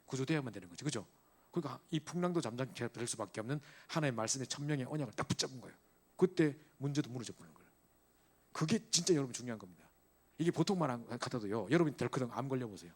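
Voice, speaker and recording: A middle-aged male pastor gives a sermon to young church members. He speaks quickly and with emphasis, tossing out rhetorical questions and answering them himself. His voice sits at an ordinary male pitch. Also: animated, breathy edge. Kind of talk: sermon to a church youth group.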